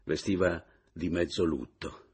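A man narrating a literary novel as an audiobook reader, with expressive, varied intonation. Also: deep voice, a little slow, slightly rough.

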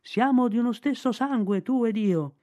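A man voicing a desperate young boy held captive, calling out in shrill shouts. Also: normal speed. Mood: urgent shouting.

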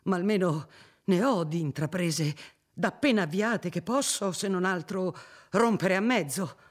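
A man voicing a shaken, remorseful lord who once lived as a tyrant, speaking in slow, halting exclamations in a storybook reading. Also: high-pitched, voice pushed up.

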